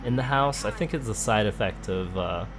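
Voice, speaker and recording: A man giving relaxed, chatty gameplay commentary as a let's play host, thinking aloud as he goes. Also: fairly low pitch, normal speed, noisy background. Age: adult, parent of a school-age child. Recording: game music behind the voice. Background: video game music.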